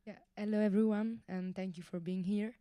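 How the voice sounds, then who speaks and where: A woman's voice: mid-range voice, steady tone, a little fast, mellow, no room sound. A young woman from Ticino whose first language is Italian, presenting her master's research on a panel in an earnest way, often restarting her phrases. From Ticino, Switzerland.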